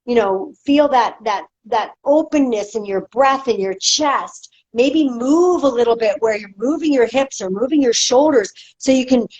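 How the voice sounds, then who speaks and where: A woman's voice: fairly high pitch, expressive, moderate pace, hardly any pauses, a little mellow, a little hiss or hum. A woman, a movement instructor, talking casually in a podcast with many fillers and restarts. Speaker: guest, movement and dance instructor. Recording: dull lo-fi audio.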